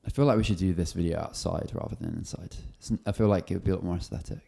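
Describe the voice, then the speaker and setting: A man's voice: low-pitched, gravelly, warm tone, slightly rough. A man in his twenties, chatting casually and jokily as the channel host. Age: 20s. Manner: chatty, joking, fast. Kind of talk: casual Q&A chat.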